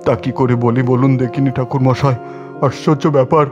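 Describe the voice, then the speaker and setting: Over plucked guitar-like music, a man acts out an anxious village householder in an audio drama. He is humble and deferential, pleading in a worried way at middle pitch, and the sound is somewhat dull. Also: fairly even intonation, moderate pace, lightly acted. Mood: worried, bewildered.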